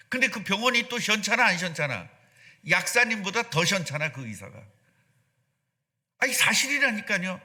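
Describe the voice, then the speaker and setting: Middle-aged male pastor, sermon, bright forceful tone, quizzes the pews. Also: high-pitched. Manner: animated, asks the congregation questions. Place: church sanctuary.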